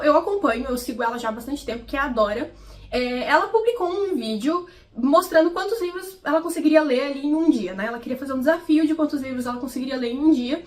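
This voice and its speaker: Fast-talking high-voiced young woman. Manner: chatty, explanatory, with frequent "né" and "tá". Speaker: book vlogger. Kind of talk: casual vlog commentary.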